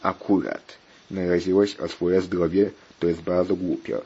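A man's voice: sits low, little pitch movement, unhurried, mellow, slightly rough, heavily acted. Give me an insistent, scolding pirate friend, read by a man on a muffled recording. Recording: dull lo-fi recording, faint hiss.

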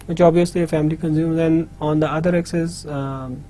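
A man's voice: on the high side, fairly even intonation, a little fast, warm tone, slight background noise. A middle-aged man with a South Asian accent, a native Urdu speaker, giving a lecture as he draws a diagram, somewhat hesitant in delivery. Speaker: university lecturer. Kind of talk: lecture explaining a diagram while drawing. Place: studio, indoors.

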